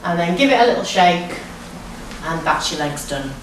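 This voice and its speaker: A woman drama teacher guiding a physical warm-up step by step, with simple, repeated, encouraging instructions. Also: lowish voice, lively intonation, normal speed, slight background noise. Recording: echoey room, distant microphone.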